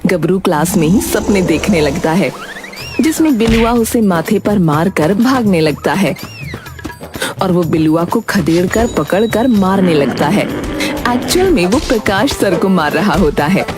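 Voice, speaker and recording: A woman narrating a cartoon story in a plain, even storytelling manner. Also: fairly low pitch, unhurried. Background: background music.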